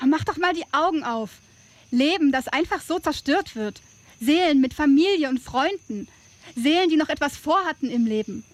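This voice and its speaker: A woman's voice: sits high, lively intonation, moderate pace, no room sound. A woman playing a bold, caring and defiant tribal woman in an audio drama, speaking directly. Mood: impassioned, reproachful. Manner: direct, teasing, impassioned.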